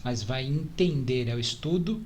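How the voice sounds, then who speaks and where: Male podcast guest, 40s, São Paulo accent, mid-pitched, conversational, some background noise. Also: normal speed, a little mellow. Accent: São Paulo Brazilian. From São Paulo, Brazil. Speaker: podcast guest, church stake president. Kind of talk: casual interview chat.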